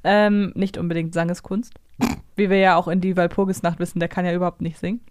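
A woman's voice: lowish voice, flat delivery, fast talker, darkish tone, no echo, studio quality. A woman co-hosting a podcast in casual conversation. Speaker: podcast co-host. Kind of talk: casual chat.

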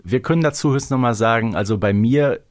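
Male co-host, middle pitch, chatty fan-talk style, tags remarks with little questions. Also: quick pace. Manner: chatty, seeks agreement with tag questions. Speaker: podcast co-host. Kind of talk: casual fan discussion of an audio drama.

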